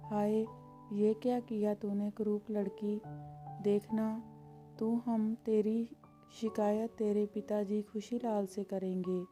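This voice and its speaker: A woman's voice: medium pitch, little pitch movement, takes it slowly, warm tone, soft background music, natural voice. A woman voicing a spiteful village woman who scolds in a storybook tale. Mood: angry.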